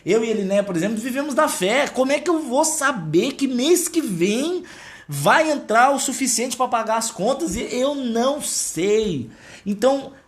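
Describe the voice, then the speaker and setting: A man preaching a devotional teaching, telling a story and addressing viewers directly in an animated way. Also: extremely high pitch, unhurried.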